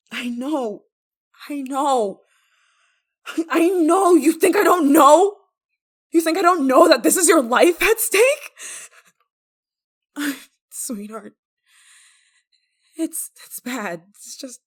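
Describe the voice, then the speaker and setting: A woman playing a desperate, guilt-ridden young lover in an intimate audio roleplay, tender and anxious, with halting, stammering delivery. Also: fairly high pitch. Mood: agitated, shouting, then grieving, guilty. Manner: halting, stammering, emotionally fragile.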